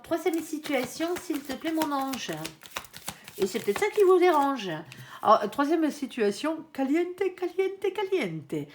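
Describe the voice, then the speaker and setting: Chatty woman doing a tarot reading. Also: a little high. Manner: chatty, frequent tag "hein", addresses her angel. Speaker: tarot card reader.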